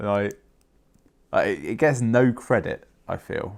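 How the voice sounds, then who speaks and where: Speaking with an English accent, a man uses a medium pitch with very wide pitch swings. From England. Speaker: toy building video creator. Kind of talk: casual build commentary. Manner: casual, hesitant with repetitions.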